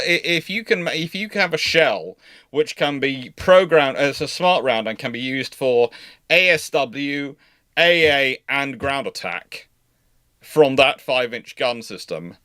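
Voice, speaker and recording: A man hosting a casual livestream, talking in a rambling, animated way and often interrupting himself. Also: fairly high pitch, no echo, studio quality. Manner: animated, rambling enthusiast with frequent self-interruptions. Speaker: livestream host.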